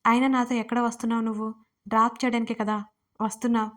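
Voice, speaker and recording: A pouty young wife coaxes and pleads with her husband in a romance audio story, as a woman narrator voices her. The voice is a bit high and fairly flat in its range. She sounds coaxing and sulky. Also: fast talker, natural voice. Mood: pleading.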